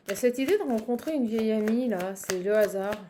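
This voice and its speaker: A woman's voice: mid-range voice, quick pace, background noise. A woman with a Parisian French accent giving a casual improvised card reading to viewers, chatty and exclamatory, repeating herself and breaking off mid-thought. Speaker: tarot card reader and channel host.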